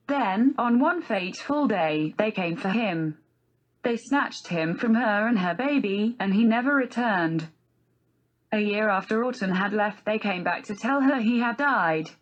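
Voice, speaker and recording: Robot lady voice reading a novel out, flat and steady, mid pitch. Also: rough recording. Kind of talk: scripted narration.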